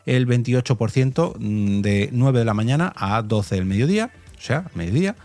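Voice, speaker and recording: A man's voice: medium pitch, lively intonation, normal speed, a little mellow, no echo. A man from Spain with a Spanish accent hosting a podcast, explaining things conversationally and addressing listeners directly with rhetorical questions. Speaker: podcast host. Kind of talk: conversational podcast commentary on survey results.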